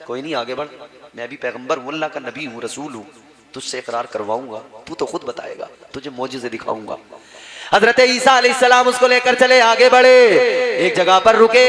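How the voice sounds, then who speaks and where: A man preaching to a gathering, telling a religious story with dramatic voiced dialogue and humorous asides. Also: very high voice. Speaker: Islamic preacher. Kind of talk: sermon storytelling. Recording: live crowd at a religious gathering. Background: crowd.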